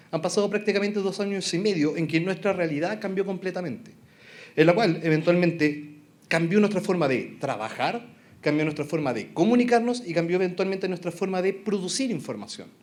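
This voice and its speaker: With audible room echo around him, a man speaks at a fairly quick pace in a high pitch with ordinary pitch variation. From Chile. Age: 40s. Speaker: architect and software consultant. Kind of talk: conference presentation. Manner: fast.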